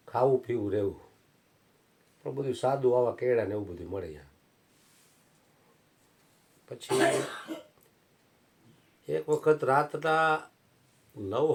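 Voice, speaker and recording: A man's voice: mid-range voice, expressive, a little slow, long pauses. Brief: male preacher, mid-range voice, telling homely anecdotes in a sermon. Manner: folksy anecdotal storytelling. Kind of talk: satsang sermon storytelling.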